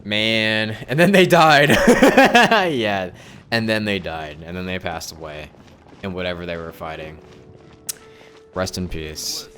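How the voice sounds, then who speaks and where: A man's voice: sits low, expressive, slow, a bit bright. A man livestreaming a game, talking casually and thinking aloud, often repeating his phrases as he rambles. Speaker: live game streamer. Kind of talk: casual livestream chat while playing a game. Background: game music.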